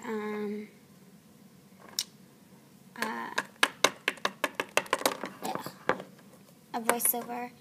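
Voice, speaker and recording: Halting young woman with a runny nose. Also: a little high. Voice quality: stuffy, runny-nosed. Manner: halting, hesitant. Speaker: amateur voice actor auditioning on video. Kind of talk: casual vlog chat. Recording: noisy home camera recording.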